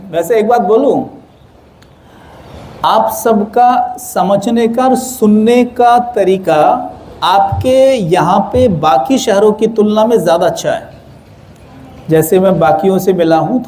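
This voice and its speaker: A young man giving a lively spiritual talk to a live audience, asking them to answer aloud. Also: sits high. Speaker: spiritual speaker.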